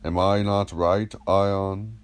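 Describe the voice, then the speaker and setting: A man reading the part of a probing, measured philosopher in an audiobook of a classical dialogue, teaching through rhetorical questions. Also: deep voice, fairly even intonation, clean tone. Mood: earnest, expounding.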